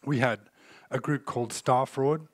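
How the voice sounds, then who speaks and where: Here a man in his forties delivers a conference keynote about cyber threat intelligence, coughing now and then as he gets over a cold. His medium-pitched voice stays steady and a little slow as he explains things loosely with fillers, and the audio has no echo.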